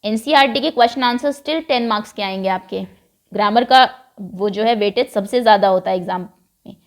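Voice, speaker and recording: A woman's voice: medium pitch, fairly quick. A woman teaching an English worksheet, switching between Hindi and English phrases and explaining patiently.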